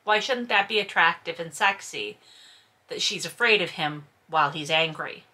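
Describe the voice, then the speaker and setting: A woman's voice: lowish voice, normal speed, pushed and bright. A woman hosting a book read-aloud, breaking into casual, sarcastic and emphatic commentary with some swearing. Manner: sardonic, incredulous, emphatic.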